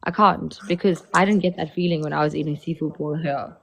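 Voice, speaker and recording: A woman's voice: deep voice, fairly even intonation, brisk, vocal fry, a crowd in the background, rough recording. A woman in her thirties from South Africa, hosting a casual livestream chat, laid-back and laughing as she tells stories. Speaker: livestream host.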